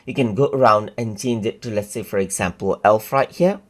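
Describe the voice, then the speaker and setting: A man walking viewers step by step through a software tutorial, casual and repetitive, with fillers. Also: lowish voice, brisk. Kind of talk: screen-recorded tutorial narration.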